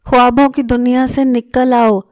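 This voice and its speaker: A woman's voice: a little high, level tone, a little mellow, no echo, clean studio sound, voice pushed up, lightly acted. A woman voicing a young male mechanic husband who teases his new wife, in a scripted audio story. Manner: mocking, laughing tone at times.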